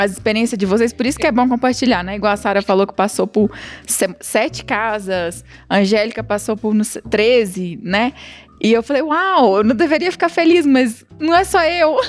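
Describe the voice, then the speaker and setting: In a Minas Gerais accent, a woman talks at a moderate pace with a fairly high pitch and very wide pitch swings, on a very clean recording with a silent background. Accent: mineiro Brazilian Portuguese. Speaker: missionary podcast host. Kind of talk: casual chat. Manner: halting.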